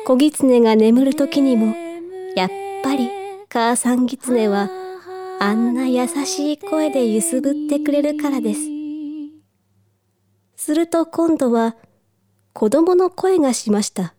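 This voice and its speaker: A woman narrating a children's storybook in a soft, careful way. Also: high voice, measured pace, long pauses, music in the background. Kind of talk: storybook reading.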